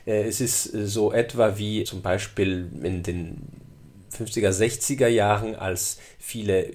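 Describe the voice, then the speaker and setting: A man with a fairly low voice, speaking as a guest in a discussion. He explains patiently and at length, stalling on repeated words and fillers while he builds his point. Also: fairly even intonation, measured pace, darkish tone. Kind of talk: explanatory conversation.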